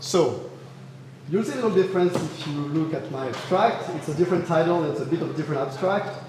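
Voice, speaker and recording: Young French-accented student presenter, slightly high voice, echoey hall with long reverb. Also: male voice, animated, brisk, background noise. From France. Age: young adult. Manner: earnest, with frequent fillers and restarts. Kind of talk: academic thesis presentation. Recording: roomy hall reverb, faint ambience.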